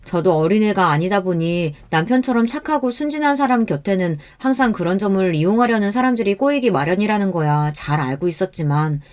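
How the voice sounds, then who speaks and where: A woman reads a first-person life story as scripted narration. Her telling is steady and earnest, in the manner of a radio story reading. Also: medium pitch.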